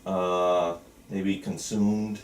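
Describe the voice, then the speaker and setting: A man's voice: low voice, flat delivery, very slow, a little mellow. A man leading a script table read as filmmaker, talking casually and reading out stage directions. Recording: roomy, distant, faint background noise.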